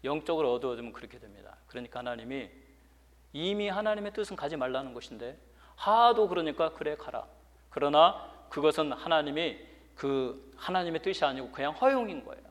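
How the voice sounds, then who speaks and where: Emphatic Korean preacher in a ringing hall. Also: male voice, fairly high pitch, animated, fairly quick. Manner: emphatic, leads congregation in reading aloud. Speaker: pastor. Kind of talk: sermon. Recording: long hall reverb.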